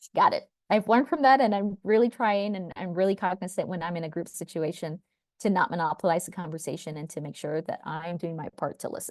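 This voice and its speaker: A woman at a medium pitch, very fast and enthusiastic, with ordinary pitch variation against a quiet background. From Texas, El Paso. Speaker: dentist. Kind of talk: webinar presentation.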